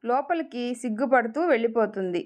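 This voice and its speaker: A woman narrating a romantic family story, reading it aloud in an expressive storyteller's manner. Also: on the high side, a little fast.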